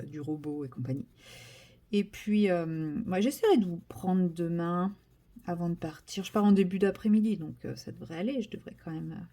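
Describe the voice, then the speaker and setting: A woman's voice: on the low side, warm tone. A woman vlogging casually from home, chatty and hesitant with many fillers and self-corrections, turning enthusiastic as she shows a craft kit. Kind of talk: casual vlog chat.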